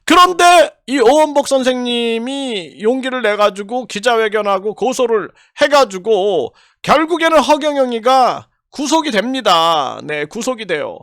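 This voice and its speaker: A man's voice: extremely high pitch, big pitch swings, measured pace, few pauses, a bit bright, no echo, studio quality. An older man giving impassioned political commentary, indignant and full of rhetorical questions and repeated phrases. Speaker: YouTube commentator.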